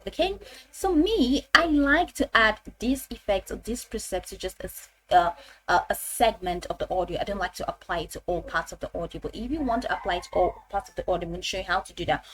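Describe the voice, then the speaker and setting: A woman narrating a step-by-step software tutorial in an informal, instructional way, often repeating her phrases. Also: medium pitch, slight background noise, low-quality recording.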